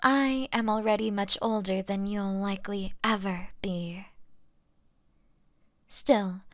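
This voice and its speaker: A woman playing a young vampire in an intimate audio roleplay, refined, gentle and apologetic, speaking in formal, polite, deliberate phrases. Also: mid-range voice, no echo, studio quality, close to an everyday voice. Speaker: audio drama performer.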